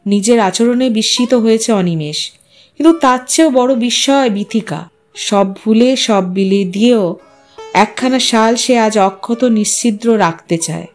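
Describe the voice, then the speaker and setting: A woman narrating a literary story in an expressive, measured, dramatic way. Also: fairly high pitch, faint music behind.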